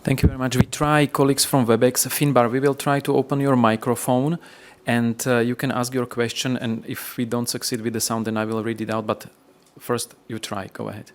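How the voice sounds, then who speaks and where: A man with a Slovak accent moderates a press briefing in a flat, businesslike tone. His voice sits in the middle range and barely moves. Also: medium pitch, a little fast. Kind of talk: moderating and reading out a question.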